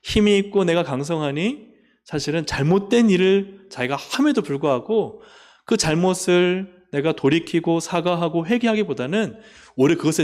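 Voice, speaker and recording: A man preaching a sermon as pastor. He asks the congregation questions and answers them himself, and he moves between emphatic rises and quiet, low endings. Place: church sanctuary. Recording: long hall reverb.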